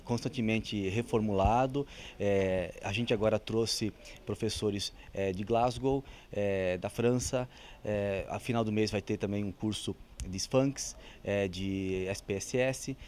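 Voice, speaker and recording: A middle-aged man with a Brazilian Portuguese accent, answering an interview into a handheld mic and pausing often on filler sounds. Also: on the low side, darkish tone. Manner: hesitant, many filler sounds. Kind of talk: on-camera interview. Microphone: handheld reporter mic.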